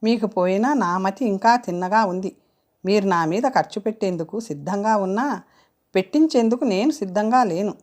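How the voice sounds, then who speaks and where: A woman's voice: medium pitch, moderate pace, a little mellow, lightly acted. A woman voicing a sad, proud young woman as she reads an audiobook story, speaking in a subdued, hesitant way. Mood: protesting. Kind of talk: audiobook character reading.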